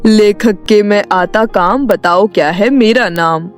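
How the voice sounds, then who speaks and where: A woman's voice: medium pitch, slow pace, close to an everyday voice. Woman as a formal, commanding enchanted talking house. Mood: riddling. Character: magical talking cake house, stern riddling gatekeeper. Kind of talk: animated Hindi moral story acting. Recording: music behind the voice.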